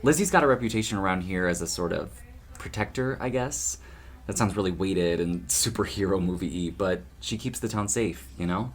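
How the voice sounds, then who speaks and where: A man playing a friendly, easygoing, chatty townsperson in an audio drama, talking in a casual, animated way. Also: low-pitched, normal speed. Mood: confiding.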